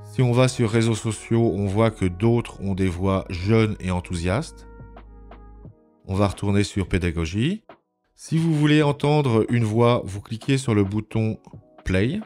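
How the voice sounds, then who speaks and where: A man presents a software tutorial step by step, informally and methodically, with frequent hesitant pauses. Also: lowish voice, expressive, faint music behind. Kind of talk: informal step-by-step screencast narration. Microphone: voice-over recorded on a microphone at a computer.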